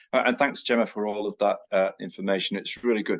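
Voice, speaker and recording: A man with a northern English accent speaks at a fairly quick pace over a quiet background. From County Durham, northeast England. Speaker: storyteller and children's author. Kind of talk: webinar talk.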